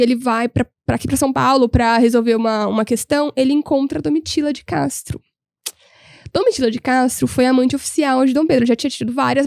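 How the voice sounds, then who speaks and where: A young woman, a podcast guest telling history stories in an animated, humorous way. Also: high-pitched, vocal fry, no room sound, studio quality. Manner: animated, humorous, voices quoted people. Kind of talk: casual storytelling chat.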